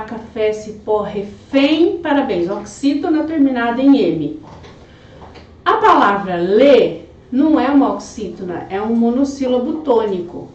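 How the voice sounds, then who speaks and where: A woman teacher with a Brazilian Portuguese accent talks through exam answers slowly and deliberately, with a fairly high voice. She sounds set back from the microphone, in a roomy, echoey space. The sound is a little dull. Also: distant mic. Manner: slow, didactic, chatty with asides. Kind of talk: exam correction lesson.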